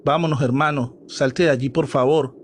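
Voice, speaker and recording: A man's voice: mid-range voice, steady tone, normal speed, slight background noise, close to an everyday voice. A man voicing a frightened young girl who pleads desperately with her brother. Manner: pleading, frantic.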